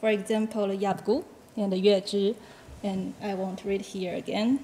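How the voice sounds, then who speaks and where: A woman's voice: mid-range voice, level tone, a little slow, dark tone, a little hiss or hum. Chinese-native woman giving seminar comments. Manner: hesitant, with frequent fillers and short laughs. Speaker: invited discussant at a seminar.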